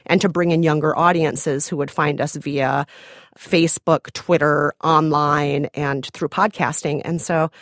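A woman's voice: low voice, fairly even intonation, unhurried, dry recording, studio quality. A woman with a Minnesota accent, chatting enthusiastically as a podcast guest. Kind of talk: casual interview chat.

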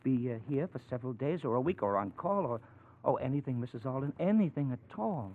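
An American actor playing a smooth-talking, scheming young crook in 1940s radio style, glib and ingratiating. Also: male voice, medium pitch, expressive, a little fast. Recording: tinny old radio recording.

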